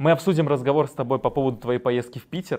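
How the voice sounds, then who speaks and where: A man at a very fast pace, ordinary pitch variation, quiet background. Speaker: YouTube show host. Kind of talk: interview conversation. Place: studio.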